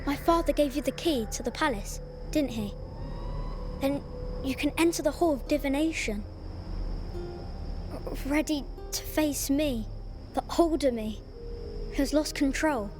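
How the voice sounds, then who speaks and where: A woman's voice: sits high, a little slow, long pauses, over music. A woman voicing a troubled, earnest young friend in a video game. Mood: challenging. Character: troubled young friend afraid of becoming his older self.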